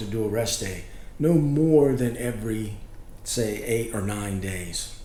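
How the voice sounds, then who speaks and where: There is noticeable background noise behind a man's voice. He speaks at a fairly slow pace. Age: 60s. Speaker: fitness vlogger. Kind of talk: casual talk to camera.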